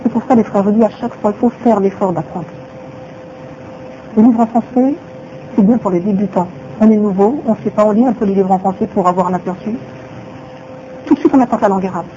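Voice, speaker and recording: A woman's voice: medium pitch, a little fast, long pauses, noisy background. A woman teaching a religious lesson who repeats her phrases and asks rhetorical questions, on a dull lo-fi recording.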